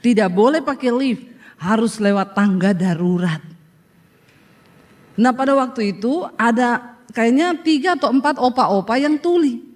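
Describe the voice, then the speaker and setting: A woman's voice: a little high, a little slow, long pauses. A woman preacher, telling a humorous story in a sermon, acting out the dialogue and teasing her listeners. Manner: lively storytelling, acts out dialogue, teases the audience.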